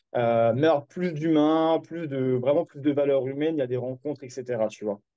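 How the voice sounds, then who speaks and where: A man speaks at a moderate pace. His pitch is fairly high and his intonation fairly even. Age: 20s. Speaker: entrepreneur. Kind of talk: interview. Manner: halting, many fillers.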